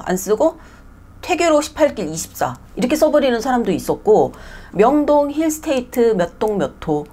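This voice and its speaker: A woman's voice: medium pitch, a little mellow. A woman who owns a nail salon, ranting bluntly and with exasperation in a casual vlog monologue, mixing polite and plain speech.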